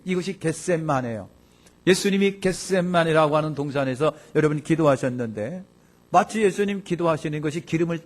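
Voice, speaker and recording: A man preaching a sermon as pastor. He swings between loud exclamations and quiet asides. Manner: acts out quoted speech in a lower voice.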